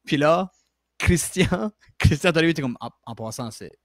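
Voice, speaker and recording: A man's voice: a little high, animated, measured pace, dry recording, studio quality. A man from Baie Sainte-Marie with an Acadian French accent, chatting loosely as a guest and dropping English words into his French. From Baie Sainte-Marie, Nova Scotia. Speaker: guest actor. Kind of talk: casual live interview chat.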